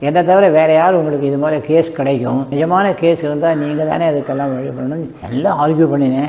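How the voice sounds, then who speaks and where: A man talks at a fairly high pitch with fairly even intonation. Background noise is noticeable. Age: 80s+. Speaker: senior devotional volunteer. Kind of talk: interview answer.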